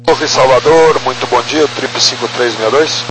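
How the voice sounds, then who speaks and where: Pilot guy reading back clearances on radio, normal pitch, super noisy. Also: moderate pace. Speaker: airline pilot. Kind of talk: short radio readbacks. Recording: very noisy cockpit radio transmission.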